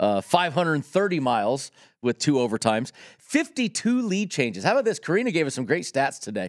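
This man talks at a very fast pace with an American accent, his pitch fairly high and swinging very widely. The recording is very clean, with a silent background. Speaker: motorsport betting podcast co-host. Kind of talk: casual sports chat.

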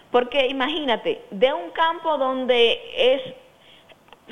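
A woman's high-pitched voice at a very slow pace. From Dominican Republic, rural San José de las Matas. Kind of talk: testimony. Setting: video call.

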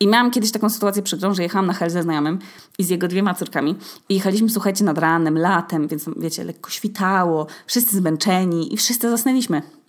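Talking at a very fast pace, a woman has a medium pitch and ordinary pitch variation. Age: 20s. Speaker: podcaster. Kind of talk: casual monologue. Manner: animated.

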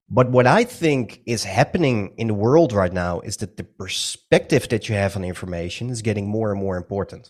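A man with a Dutch accent talks at a fairly quick pace with hardly any pauses and a fairly low pitch. The recording is very clean, with a silent background. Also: ordinary pitch variation. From Netherlands. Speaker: LinkedIn and sales consultant. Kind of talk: podcast interview.

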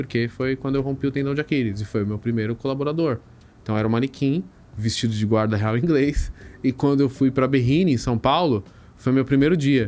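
Speaking fairly quickly in a calm tone, a man keeps a medium pitch with ordinary pitch variation. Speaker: franchise founder and author. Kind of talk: interview conversation. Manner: calm, even tone.

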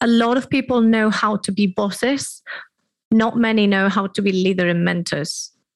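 At a medium pitch, a woman talks in an ordinary speaking voice at a moderate pace, with fairly even intonation and very even loudness. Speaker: life coach, podcast host. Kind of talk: podcast interview.

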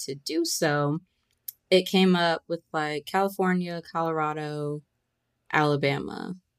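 A woman with an American accent speaks at a fairly slow pace in a fairly low pitch on a very clean recording with a silent background and a dry, close sound with no echo. She has a plain, everyday voice. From New Jersey. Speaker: clinical psychology grad student. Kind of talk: casual chat.

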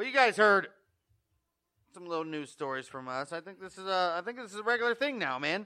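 A man speaks in a raised, projected, bright and sharp voice at a high pitch with very wide swings. His pace is fairly quick, with long, frequent pauses and big swings in loudness. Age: 30s. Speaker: podcast host. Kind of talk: casual chat. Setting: studio.

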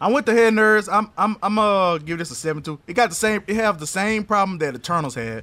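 A man with an American accent and a high pitch uses a raised, projected voice with a bright, sharp tone and lively intonation on a very clean recording with a silent background. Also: fairly quick pace. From Philadelphia area, US. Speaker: podcast guest. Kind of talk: casual chat. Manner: animated.

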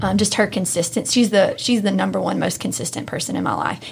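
At a fairly quick pace, a woman talks with vocal fry. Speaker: podcast guest. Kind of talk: casual chat.

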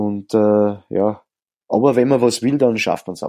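A man speaks with a dark, mellow tone and ordinary pitch variation. The recording is very clean, with a silent background. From Austria, Ausseerland (Styria). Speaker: ice swimmer, record holder. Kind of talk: interview.

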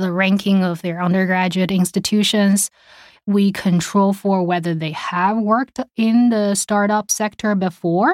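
An unremarkable speaking voice with an American accent, at a fairly slow pace and with fairly even intonation. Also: woman. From China, then India, then US. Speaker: finance researcher. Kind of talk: interview.

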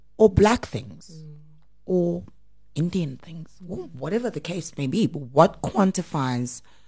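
A woman with a dark, mellow, somewhat breathy tone speaks at a fairly low pitch and a fairly slow pace, with lively intonation and big swings in loudness. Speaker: podcast co-host. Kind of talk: casual chat.

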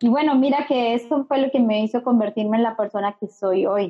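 Ordinary pitch variation marks this woman's fairly high voice. She has an unremarkable speaking voice. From Colombia, Bucaramanga (Santander). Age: 40s. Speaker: holistic therapist. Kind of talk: interview.

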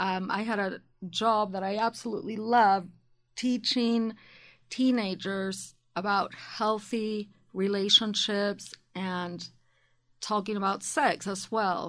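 A woman with a strong Argentine accent, medium pitch and a very slow pace, against a quiet background. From Argentina, Buenos Aires. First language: Spanish. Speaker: podcast co-host's mother, former sex educator. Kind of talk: casual chat. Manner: animated.

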